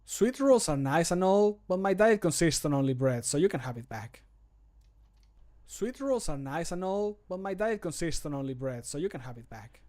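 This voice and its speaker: A man voicing a polite but dismissive video game character, measured, starting sing-song and falling away. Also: fairly high pitch, sing-song, a little mellow. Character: game character politely turning down a sweet roll. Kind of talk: video game voice line acting.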